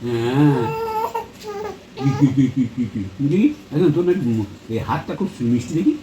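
A woman coaxing a baby in slow, sing-song baby talk, recorded outdoors from a distance. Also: rumbling low, expressive, reverberant, noisy background. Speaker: family member cooing at a baby.

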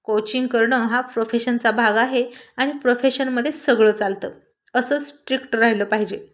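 A woman's voice: fairly high pitch, steady tone, moderate pace, close to an everyday voice. A woman voicing a stern but affectionate father who lectures his son and teases his wife. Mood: stern, teasing. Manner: firm, lecturing, teasing.

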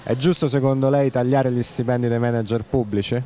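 A man's voice: mid-range voice, fairly even intonation, fairly quick, warm tone, soft background music. A man in his thirties reporting and asking questions as a street interviewer, speaking into a handheld microphone. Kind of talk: scripted news report and vox pop questions. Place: outdoors in a city arcade street. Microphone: handheld microphone close to mouth. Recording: faint street noise.

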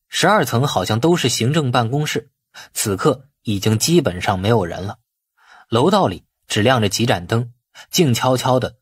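A man's voice: mid-range voice, husky, no room sound, studio quality. A man narrating a novel as an audiobook in a scripted storytelling style.

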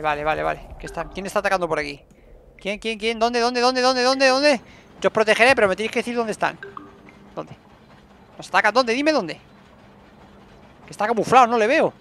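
A man's voice: high voice, creaky, a bit bright, a little hiss or hum. A man giving casual let's play commentary, chatty and talking to his game characters. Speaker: gameplay streamer.

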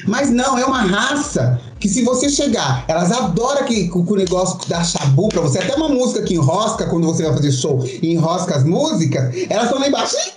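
A middle-aged woman with a Brazilian Portuguese accent, a show performer telling her story as an interview guest. She talks in a theatrical, animated way and keeps checking that the listener understands. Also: medium pitch, echoey room. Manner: animated, theatrical, acts out quotes, keeps asking "you understand?".

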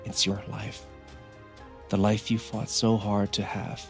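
An actor playing a calm, encouraging older brother in a video game drama, speaking gently and reassuringly. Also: male voice, fairly low pitch, vocal fry, soft background music. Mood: tender, reflective. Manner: slow, tender, reassuring.

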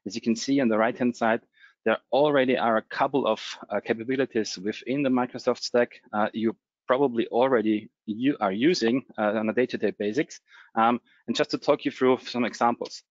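Male presenter, mid pitch, relaxed filler-heavy delivery, dry muffled online-call sound. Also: fairly quick, no room sound. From Austria. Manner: relaxed, many fillers and restarts. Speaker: webinar presenter. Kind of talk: technical presentation.

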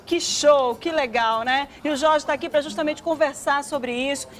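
Playful high-voiced woman TV host. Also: normal speed. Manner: playful, teasing, animated exclamations. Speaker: TV show host. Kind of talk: lively studio talk. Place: bright TV studio.

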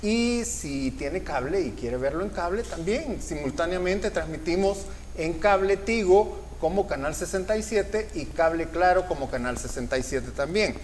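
A man's voice: high voice, expressive, normal speed, big-room sound, slight background noise. A middle-aged man hosting a political TV interview show, announcing the channel and schedule in a promotional, repetitive way. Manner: promotional, repeats schedule details. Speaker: TV interview host. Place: TV studio.

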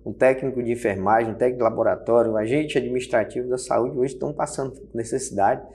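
Gravelly-voiced union leader making his case. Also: mid-range voice, darkish tone. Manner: emphatic, gestures broadly while speaking. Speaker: health workers' union leader. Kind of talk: interview answers. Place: small studio set with table. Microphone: lapel mic.

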